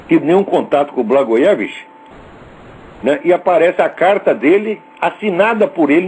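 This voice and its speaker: A man's voice: on the high side, a little mellow, slightly rough, poor audio. A male radio host with a Brazilian accent, ranting in a scornful, profane and sarcastic monologue. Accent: Brazilian Portuguese.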